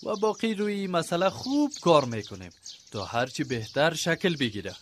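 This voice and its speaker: An actor playing an enthusiastic, encouraging village organiser in a radio drama, eager and full of praise, with an Afghan accent. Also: male voice, a little high, expressive, a bit bright, a little hiss or hum.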